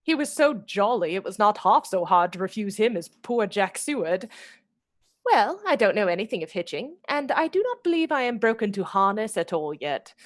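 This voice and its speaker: A woman acts out a sweet young Victorian lady in a radio play. She confides in a girlish, romantic and dramatic way. Her pitch is average for a woman. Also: very animated, moderate pace, close to an everyday voice. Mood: confiding. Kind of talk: radio play acting and storytelling.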